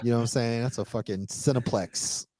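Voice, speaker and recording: A man's voice: mid-range voice, steady tone, fairly quick, a little mellow, no echo. Profane rambling storyteller man. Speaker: podcast guest. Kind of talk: casual storytelling.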